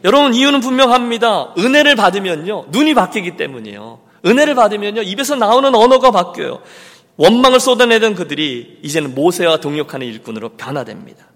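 A senior pastor preaches a Sunday sermon in a church sanctuary, emphatic and repeatedly addressing the congregation directly. His voice sits high, sing-song and a bit bright, and he speaks fast, with the long reverb of a large hall.

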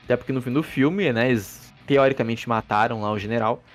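Faint background music plays as this podcast host, speaking with a Brazilian Portuguese accent, reviews movies in a sarcastic, profane ramble full of restarts. He talks a little fast in a mid-range voice.

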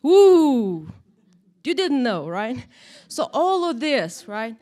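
A woman's voice: sits high, very slow. A woman from Moldova, teaching a church Bible lesson to a group in a chatty way, often adding "right?". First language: Russian or Romanian. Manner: chatty, animated, tag questions. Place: church room, in front of a group.

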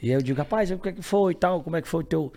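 A man's voice: fairly high pitch, vocal fry, warm tone. A man, a comedian guest, chatting casually and retelling a friend's story for laughs. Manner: quick, retells and repeats for laughs. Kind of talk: casual chat.

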